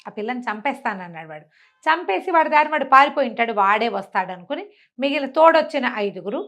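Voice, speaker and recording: A woman's voice: fast talker, faint music behind. An older woman telling a village folk tale, slipping into the characters' voices as she goes. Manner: acts out characters' lines with lively pitch swings. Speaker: storyteller. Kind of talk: animated folk-tale narration.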